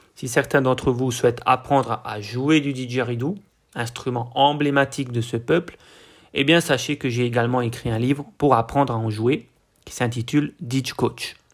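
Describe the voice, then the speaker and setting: The recording is very clean, with a silent background. A man with an unremarkable speaking voice talks at a medium pitch and a moderate pace, with fairly even intonation. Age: 30s. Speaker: podcast host, coach and holistic therapist. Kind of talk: solo podcast monologue.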